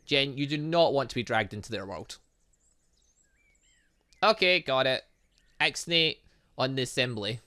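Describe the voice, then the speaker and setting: A man's voice: mid-range voice, lively intonation, unhurried, long pauses, pushed and bright, no room sound. A man reading game dialogue aloud in a let's play, adding his own commentary and often stumbling over words and correcting himself. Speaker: gaming YouTuber reading a visual novel aloud.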